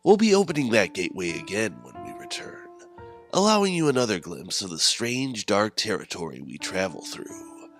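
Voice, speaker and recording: A man playing an ominous, theatrically courteous horror host, speaking in a drawn-out, grandiose manner for an audio anthology. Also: fairly low pitch, very animated, a bit bright, faint music behind. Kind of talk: scripted horror anthology sign-off.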